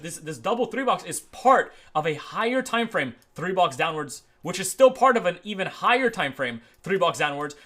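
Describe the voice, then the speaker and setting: A trading educator screen-shares live charts and walks through them, repeatedly tagging his points with "right?". His voice sits high and a bit bright, and his pace is uneven, speeding up and slowing down.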